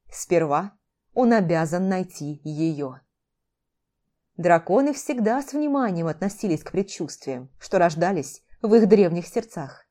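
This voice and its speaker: Mellow-voiced woman reading an audiobook. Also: fairly low pitch. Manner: measured, dramatic reading. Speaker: audiobook narrator. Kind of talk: scripted fantasy narration.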